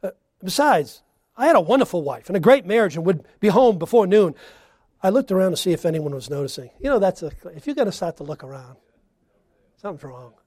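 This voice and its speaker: A man preaching a sermon, moving between loud emphatic lines and quiet, hushed ones. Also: high-pitched, very animated, quick pace, husky, no room sound, studio quality.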